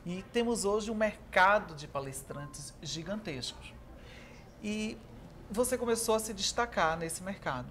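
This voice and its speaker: A woman's voice: medium pitch, expressive, measured pace, fairly bright tone, a little hiss or hum. A woman in her thirties with a Brazilian accent, hosting an interview in a chatty, agreeable way. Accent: Brazilian Portuguese. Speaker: talk show host. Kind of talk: interview chat. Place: pink decorated studio set, indoors.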